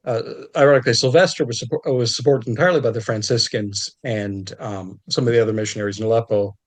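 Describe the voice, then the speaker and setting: Speaking quickly with fairly even intonation, a historian guest in an unscripted chat offers thorough, scholarly explanations. He often starts phrases over, and his pitch jumps when he drives a point home.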